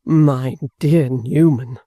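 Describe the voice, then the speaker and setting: Male reader playing an impatient young lover in a storybook, eager, warm dark tone. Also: fairly high pitch, big pitch swings, vocal fry, husky, no room sound, studio quality, full character voice. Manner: eager, rapid questioning.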